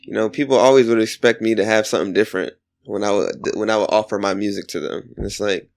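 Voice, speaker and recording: A man with a fairly low voice talks in a relaxed podcast conversation. He rambles loosely and breaks into laughter often as he goes. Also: quick pace, gravelly. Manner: laid-back, laughing, rambling. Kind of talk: casual podcast chat.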